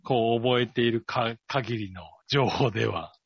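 A man co-hosting a podcast in casual chat, relaxed, with lots of short agreeing replies. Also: mid-range voice, a little slow, vocal fry, husky, no room sound, muffled recording. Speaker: podcast co-host.

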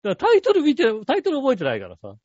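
Animated rambling man, casual chat. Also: very high voice, rapid-fire, no echo, highs cut off. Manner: rambling storyteller, animated, many fillers. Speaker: podcast co-host.

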